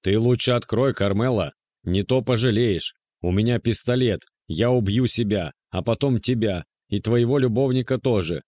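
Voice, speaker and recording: A man voicing a jealous, hoarse middle-aged man shouting demands in the night in a storybook reading. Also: low-pitched, moderate pace, hardly any pauses, no echo, lightly acted. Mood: jealous rage. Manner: loud, demanding, accusing.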